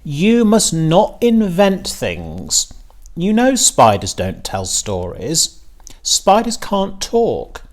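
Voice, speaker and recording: A worried storybook mother, as a male reader puts her on. She is stern and exasperated yet caring, stretching her words slowly and swinging widely in pitch. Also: huge pitch swings, full character voice. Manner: admonishing, exasperated but caring.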